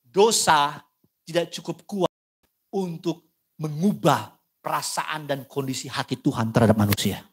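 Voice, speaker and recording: A man preaching a sermon, animated and playful, often asking the congregation questions. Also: on the high side, unhurried, breathy edge. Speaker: pastor.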